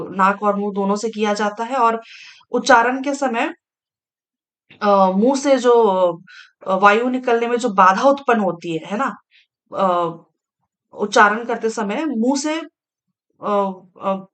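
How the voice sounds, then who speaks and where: Slow, patient woman teaching grammar. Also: fairly high pitch, a bit bright. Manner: slow and patient, frequent tag questions and fillers. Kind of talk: exam-prep grammar lesson.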